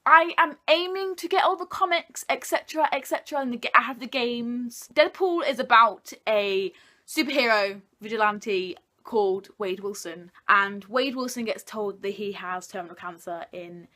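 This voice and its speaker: A woman's voice: a little high, moderate pace, bright, forceful tone. A young woman talking casually and informally to her viewers like a video blogger, jokey and opinionated. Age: young adult. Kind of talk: casual chatty countdown review to camera.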